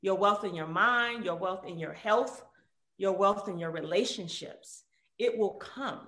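A woman from Detroit, a guest telling her life story in a casual interview, with animated quoted voices. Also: mid-range voice, a little slow. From Detroit, USA. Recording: roomy echo.

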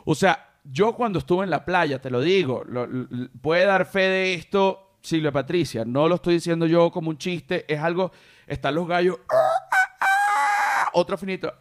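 A man hosting a podcast, telling anecdotes in a casual, animated way. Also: on the high side, moderate pace. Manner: animated storyteller, mimics animal cries. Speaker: podcast host.

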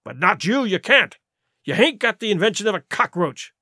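Cunning old pirate cook, put on by a male narrator. Bright, lively, menacing, rough sailor's talk; dry close recording. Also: high-pitched, unhurried, dry recording, heavily acted. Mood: angry.

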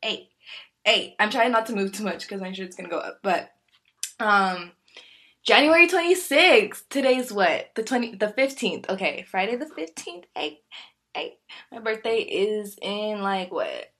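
A woman's voice: mid-range voice, lively intonation, unhurried, fairly bright tone. A young woman in her early twenties hosting a casual solo podcast, talking candidly with lots of fillers and laughs. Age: 20s. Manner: chatty, candid, laughs often, many fillers. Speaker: podcast host.

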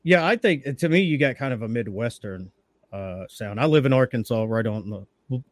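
A man's voice: mid-range voice, normal speed. A Southern man in his forties from Tennessee, hosting a casual chat and laughing as he tells stories. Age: 40s. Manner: laughing, animated storytelling. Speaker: podcast host.

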